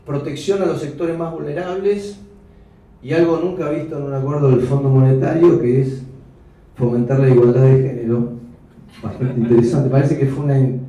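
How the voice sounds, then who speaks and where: A man with an Argentine Spanish accent giving an economics talk with slides, measured and explanatory, correcting himself as he goes. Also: medium pitch, steady tone, dark tone. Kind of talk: lecture with slides. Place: hotel function room. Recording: echoey room, mic far off.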